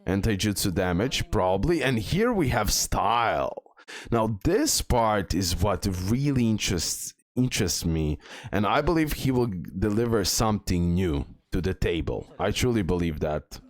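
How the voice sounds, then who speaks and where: A man's voice: on the low side, big pitch swings, moderate pace. A man giving casual game commentary as a video host, rambling and repeating words with many fillers.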